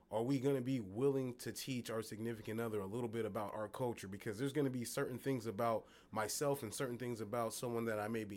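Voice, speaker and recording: A young man co-hosting a casual chat, loose and slangy, often laughing. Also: lowish voice. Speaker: podcast co-host.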